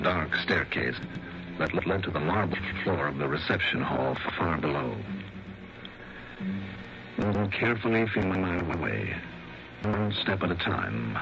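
An actor playing a hard-boiled insurance investigator, narrating in terse, dry first person in a 1960s radio drama. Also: male voice, low-pitched, gravelly, background noise, full character voice. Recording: dull lo-fi vintage radio broadcast.

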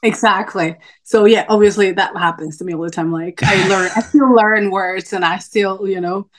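A woman's voice: medium pitch, fairly even intonation, moderate pace. Woman from Mexico chatting as podcast guest. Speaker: podcast guest, fitness coach. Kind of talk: casual chat.

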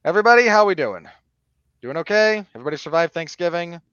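A man's voice: fairly high pitch, lively intonation, fast talker, fairly bright tone, clean tone, no echo, dull audio. A man hosting a podcast in casual conversation, with a wry, teasing way of talking. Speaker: podcast host. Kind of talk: casual chat.

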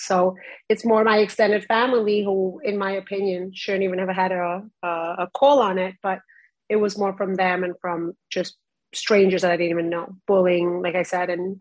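A woman who grew up in Spain, a podcast guest recounting childhood memories in a matter-of-fact, measured way. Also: lowish voice, no room sound, dull audio. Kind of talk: casual chat.

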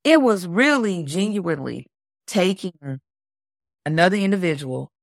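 A woman with a deep voice co-hosting a podcast, chatting in an upbeat, energetic way close to her mic. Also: a little slow, gravelly, no room sound. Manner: upbeat, energetic, says "like" often. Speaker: podcast co-host. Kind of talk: casual podcast chat.

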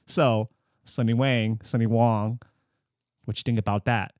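A man's voice: mid-range voice, fairly even intonation, a little slow, a little mellow, dry recording, clean studio sound. A man co-hosting a podcast in casual chat, teasing and blunt. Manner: teasing, blunt one-word verdicts. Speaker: podcast co-host. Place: Seoul, South Korea.

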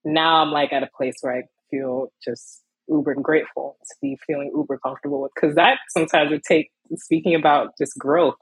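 A young woman from Miami, an illustrator talking casually in an interview, animated with frequent laughs and fillers. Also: sits low, a little fast, few pauses, slightly rough, no room sound, poor audio. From Miami, USA. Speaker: illustrator guest.

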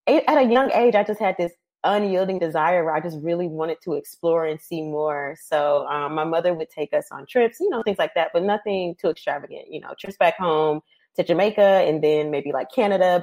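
A woman from Detroit telling her story as a podcast guest, lively and quick to laugh. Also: on the low side. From Detroit, Michigan. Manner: lively, laughs often, says "um" and "like". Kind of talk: conversational storytelling.

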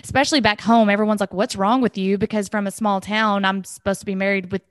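A woman's voice: mid-range voice, fairly even intonation, fast talker, no echo, clean studio sound. A woman in her thirties hosting a podcast, talking candidly and chattily, laughing easily. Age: 30s. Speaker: podcast host. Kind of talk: casual podcast conversation.

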